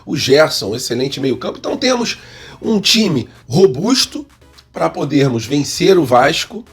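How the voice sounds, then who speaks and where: A man with a Brazilian accent and husky voice, hosting informal football news as a partisan fan who addresses viewers directly. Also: a little high, big pitch swings, measured pace, soft background music. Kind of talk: informal sports news commentary.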